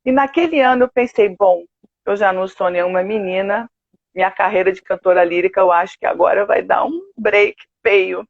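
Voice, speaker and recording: An older woman with a Brazilian Portuguese accent, a singer telling stories with lively quoted asides in a casual interview. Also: mid-range voice, brisk, vocal fry, no echo. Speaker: guest, opera and musical theatre singer. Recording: dull, dry video-call audio.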